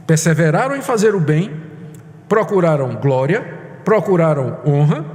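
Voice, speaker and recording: A man delivers an urgent, emphatic sermon, hammering points home through repetition. His voice sits high for a man. It carries a long reverb, as in a church hall. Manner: emphatic, urgent, repeats for weight. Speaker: preacher.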